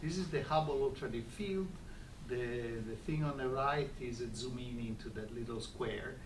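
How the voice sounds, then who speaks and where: A man with a medium-pitched voice delivers a scientific colloquium lecture with slides, explaining things haltingly and repeating words. The recording is roomy and distant, picked up from far off with clear background noise.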